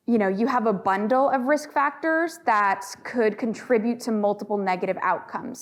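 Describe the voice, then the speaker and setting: A woman running a conference workshop, talking at an average pitch. She explains her points in a friendly, measured way and fills her pauses with ums, speaking into a microphone in a meeting room. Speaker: workshop facilitator. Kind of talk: conference session presentation.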